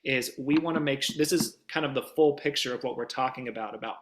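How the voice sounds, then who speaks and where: A man speaking as an interviewed producer in an animated, casual chat, emphatic and informal in his delivery. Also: mid-range voice, fast, slight background noise. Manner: emphatic, informal, acts out little quoted exchanges. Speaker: voiceover demo producer being interviewed.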